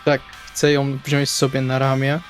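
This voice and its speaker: A man playing a tabletop RPG, narrating his character's actions in the first person in short, deliberate phrases. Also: mid-range voice, completely flat delivery. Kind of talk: first-person roleplay narration over game session. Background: soft guitar music.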